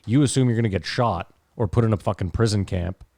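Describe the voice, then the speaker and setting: A man's voice: fairly low pitch, fast talker, creaky, a little mellow, no room sound. A man co-hosting a podcast in casual talk, emphatic and incredulous, with some swearing. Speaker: podcast co-host.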